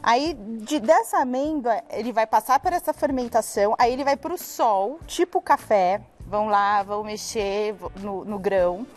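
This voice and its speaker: A woman's voice: on the high side, normal speed, few pauses. A woman in her thirties enthusiastically explaining cocoa products on a live TV cooking segment, recorded on a lapel mic in a studio. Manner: enthusiastic explaining, addresses viewers as "gente". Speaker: cooking guest presenting cocoa recipes. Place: TV studio set with kitchen table.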